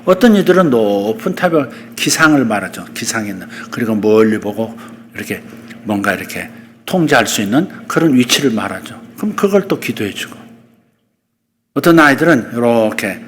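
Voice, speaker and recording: A man's voice: medium pitch, very animated, normal speed, a bit bright, in a large hall, slight background noise. A middle-aged male pastor preaching a sermon, acting out fierce rebukes and drilling the congregation.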